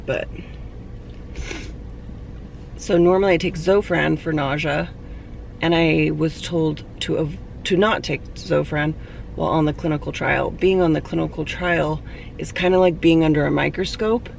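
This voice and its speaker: A woman with a hoarse, fading voice, chatting candidly into a handheld camera for her vlog outdoors. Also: low voice, fairly even intonation, moderate pace, a little mellow. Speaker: vlogger. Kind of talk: casual vlog talk. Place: outdoors near traffic and parking lots. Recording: distant mic with street noise.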